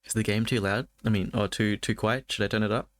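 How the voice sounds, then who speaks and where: A man's voice: on the low side, steady tone, fast. A man doing a let's play, reading game text aloud and adding casual, wry asides to his chat. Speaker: game streamer.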